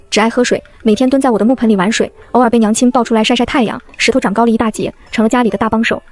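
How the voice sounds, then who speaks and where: Rapid-fire woman storyteller. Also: a little high, a little mellow. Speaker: narrator. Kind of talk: first-person story narration.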